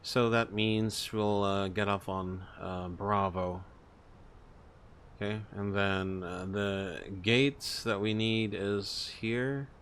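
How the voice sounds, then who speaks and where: A man streams a flight simulator as the captain, talking through cockpit procedures in hesitant, procedural phrasing. His voice is lowish and a bit bright, with fairly even intonation and a slow pace. Faint background noise and cockpit ambience sit under the recording.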